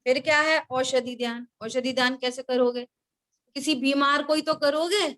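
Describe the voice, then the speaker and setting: A woman's voice: sits high, fairly even intonation, a little slow, a bit bright. A woman teaching a scripture class, who keeps questioning her listeners and repeating key words.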